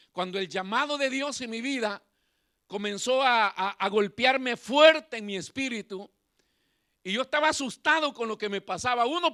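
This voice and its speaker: A middle-aged man preaching a sermon as pastor, impassioned, swinging between loud cries and quiet asides. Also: very high voice.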